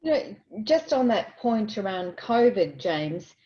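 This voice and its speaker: A woman moderating a virtual town hall, brisk and conversational. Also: medium pitch, sing-song, warm tone. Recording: dull lo-fi audio.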